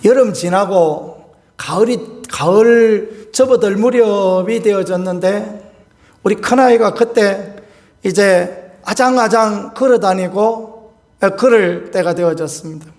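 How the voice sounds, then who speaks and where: A man in his fifties preaching a sermon, telling a homely personal story with animated, folksy delivery and chuckles. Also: sits high, takes it slowly. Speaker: pastor.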